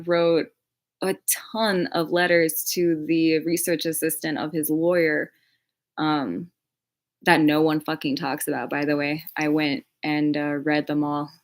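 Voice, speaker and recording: A woman chatting casually on a livestream as a true crime creator, rambling with lots of filler words and casual swearing. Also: fairly low pitch.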